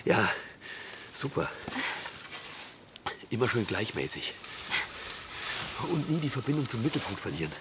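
A man playing an easygoing, assured environmental activist, calm and encouraging as he gives instructions in radio drama dialogue. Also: medium pitch, unhurried, long pauses. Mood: calm, instructing. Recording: loud outdoor noise with crickets.

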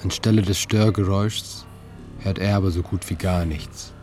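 Deep, flat-voiced man narrating over music. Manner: calm, measured, with slow deliberate pauses. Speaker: narrator and author. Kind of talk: scripted literary narration.

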